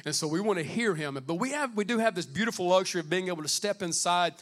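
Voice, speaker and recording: A man's voice: high-pitched, quick pace, fairly bright tone. A man preaching informally as a pastor, conversational, repeating phrases and asking the congregation for amens. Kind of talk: informal sermon with welcome and Bible reading.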